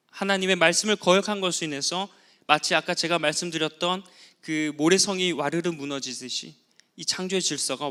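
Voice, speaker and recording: A man's voice: high voice, pushed and bright. A man preaching a sermon as pastor, telling the story and acting out quoted words.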